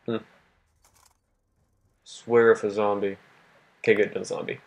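Husky young man swearing through gameplay. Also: on the low side, flat delivery, a little slow. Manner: swears a lot, laughs often, talks to himself. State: losing his voice. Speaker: gameplay commentator. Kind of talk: casual gameplay commentary. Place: home at night.

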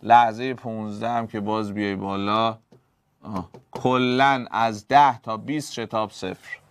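A man with a fairly low, clean-toned voice and fairly even intonation explains exam problems step by step as a physics teacher, talking straight to his students. The recording has no echo.

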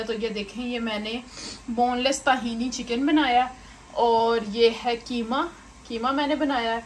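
A woman with a fairly high voice chats informally as a vlog host. She often repeats short phrases, and there is clear noise around her in a home recording. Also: poor audio. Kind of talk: casual home vlog chat. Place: indoors at home.

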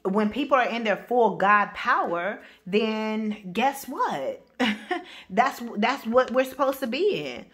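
A woman with AAVE speech giving a spiritual reading to camera, loud and powerful, blunt and emphatic, cursing freely and restarting her sentences. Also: a little high, sing-song, slow pace. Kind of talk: casual spoken reading to camera.

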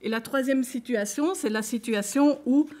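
A woman with a Belgian French accent addresses a live audience in a conference room, her voice sitting a little high. She talks in a loose, conversational way, turning to her listeners directly and reading short example cases aloud. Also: normal speed, darkish tone. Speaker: conference speaker.

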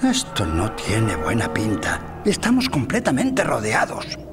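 A gruff older dwarf warrior in a video game, loyal but admonishing. His pitch swings widely as he voices concern. Music plays clearly behind him. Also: wildly swooping pitch, measured pace. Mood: wary. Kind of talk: video game character acting.

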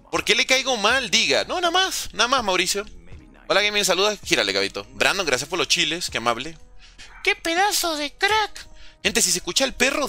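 A man's voice: on the high side, sharp tone. A man from Venezuela, a gaming streamer chatting casually from home, reading chat aloud and joking with viewers. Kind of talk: casual live-stream chat while playing. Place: at home, room with a window.

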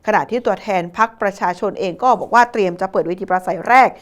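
A woman presents a scripted news report as a news presenter. Her voice sits at an average pitch for a woman. The delivery is polite and formal. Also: fast talker.

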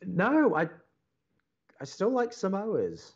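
Figure: earnest young college radio co-host. Delivery: lively, placating. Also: male voice, sits high, takes it slowly, husky, lo-fi sound, exaggerated voice. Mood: hesitant. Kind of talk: audio drama dialogue.

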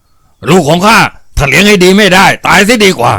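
A man voicing a brutal, enraged village father in a spoken novel, shouting threats. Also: sits high, expressive, brisk, vocal fry, husky, no echo, clean studio sound, voice pushed up, full character voice. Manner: shouting, menacing.

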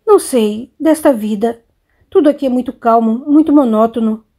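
A sulky, restless young son in an audiobook, voiced by a woman reader, giving curt, defensive answers in a somewhat high, warm voice. He sounds bored and on edge. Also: normal speed. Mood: weary.

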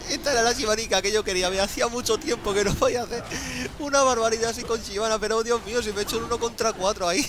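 A man giving excited gameplay commentary as a streamer, exclaiming, laughing and swearing often. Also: high voice, very fast, few pauses. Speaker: gaming streamer.

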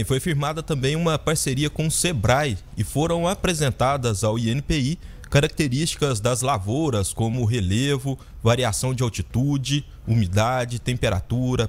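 Man reading news in a formal, measured way. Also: mid-range voice. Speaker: radio news presenter. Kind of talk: read news report. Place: radio studio. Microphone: studio mic on a boom.

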